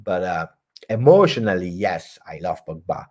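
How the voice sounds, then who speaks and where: Man, fairly low voice, live reaction host, emphatic, excitable, chatty. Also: moderate pace. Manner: emphatic, excitable, reads viewer comments aloud. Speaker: football channel host. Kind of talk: live post-match reaction stream.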